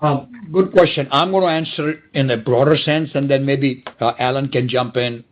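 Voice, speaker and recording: A man's voice: medium pitch, normal speed. A man speaking as a company executive, giving unscripted answers on a dull, slightly noisy conference call. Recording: dull call audio with clicks, typing noise.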